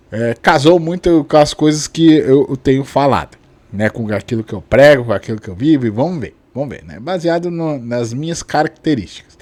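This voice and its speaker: A man in his late thirties hosting a casual vlog, rambling with many restarts and tag questions and chuckling often, with sudden lively jumps in his voice. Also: a little high, no echo. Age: 30s. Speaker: channel host. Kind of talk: casual talking-head vlog.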